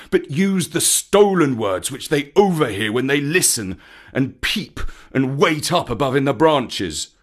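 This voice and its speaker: A man voicing a wise old male bear who lectures a boy slowly and emphatically in a storybook reading. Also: medium pitch. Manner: slow, solemn and emphatic.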